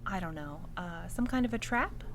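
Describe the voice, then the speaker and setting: A woman acting in an audio drama podcast as a playful, curious but cautious companion, lightly teasing and expressive. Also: lowish voice, moderate pace. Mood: uneasy, curious. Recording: clear background noise, ambient sound bed.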